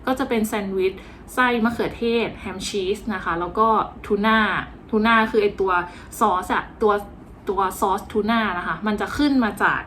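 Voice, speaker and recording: A woman's voice: mid-range voice, moderate pace, a bit bright. Casting: woman vlogger, playful and chatty, some faint background noise. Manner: chatty, playful, self-mocking. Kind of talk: casual cooking-class vlog narration.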